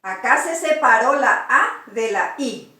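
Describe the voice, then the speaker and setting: A woman teaching a language lesson, spelling out syllables slowly and repeating each example word. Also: on the high side, expressive, sharp tone. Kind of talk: slow spoken language lesson. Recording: roomy echo, far from the mic.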